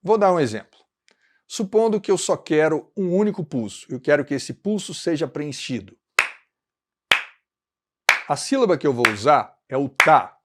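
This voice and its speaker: A man's voice: a little high, very animated, moderate pace, pauses often, heavy background noise. A Brazilian man with a Brazilian Portuguese accent, teaching an online music lesson and explaining rhythm step by step. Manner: explanatory, chants rhythm syllables.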